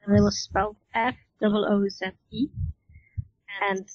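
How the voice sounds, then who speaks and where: Even-toned woman, lo-fi audio. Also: mid-range voice, measured pace, no echo. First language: Dutch. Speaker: podcast guest, forum admin. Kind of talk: casual interview chat.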